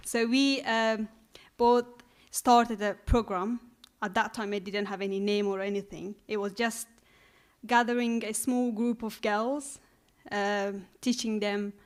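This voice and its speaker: A young woman from Afghanistan giving a hesitant speech to an audience, with many fillers and restarts. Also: medium pitch. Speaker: invited speaker.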